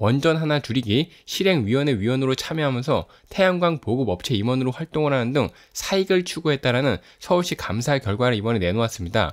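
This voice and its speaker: The voice, an unremarkable speaking voice, has lively intonation and a fairly quick pace. There is no background sound at all on this very clean recording. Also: man. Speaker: YouTube news commentator. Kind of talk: news commentary.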